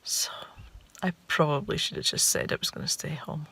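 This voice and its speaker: A woman's voice: deep voice, expressive, normal speed, gravelly, pushed and bright, husky, in a whisper. A woman with a Shetland Scots accent chatting casually to a vlog in a wry, understated, rambling way. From Shetland, Scotland. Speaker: vlogger.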